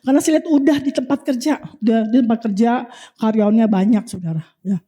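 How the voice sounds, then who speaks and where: A woman with an Indonesian accent preaching an animated sermon, telling testimonies and prophesying over the congregation. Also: fairly high pitch, fast talker. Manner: animated, repeatedly addressing the congregation.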